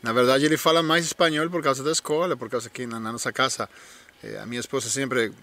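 A man's voice: medium pitch, steady tone, quick pace, sharp tone. Uruguayan man chatting in an interview. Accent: Uruguayan Spanish. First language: Spanish. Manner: chatty, laughs while telling stories. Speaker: interview guest, musician. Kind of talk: casual interview talk. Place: outdoor backyard. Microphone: handheld microphone.

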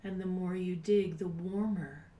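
A woman in her sixties leading a guided meditation in a soft, breathy, unhurried voice with long pauses, at times near a whisper. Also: on the low side, fairly even intonation. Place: small home room, indoors. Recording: roomy, distant mic with background noise.

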